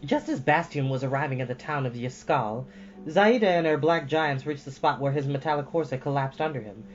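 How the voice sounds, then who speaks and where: A man reading a storybook aloud as host, with expressive, deliberately stressed phrasing. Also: medium pitch. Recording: dull lo-fi sound with music behind.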